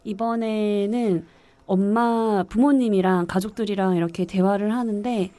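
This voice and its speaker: A woman's voice: medium pitch, fairly even intonation, normal speed, dark tone, dry recording. A woman from the Gyeongsang countryside with a mostly standard Seoul accent, chatting casually and often laughing as she talks. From rural mountainous Gyeongsang, South Korea. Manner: giggly, often laughs while talking. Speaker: radio show guest or co-host. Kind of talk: casual chat, personal anecdotes.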